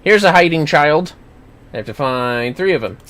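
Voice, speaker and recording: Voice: mid-range voice, animated, moderate pace, fairly bright tone. A streamer casually commenting on an online fantasy game, muttering to themself and swearing lightly. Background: game music.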